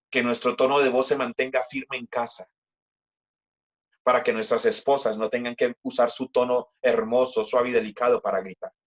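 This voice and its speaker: A man, preaching a sermon as pastor and reading scripture slowly with emphatic repetition. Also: dull audio. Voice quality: deep voice. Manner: slow, emphatic scripture reading with repeated phrases.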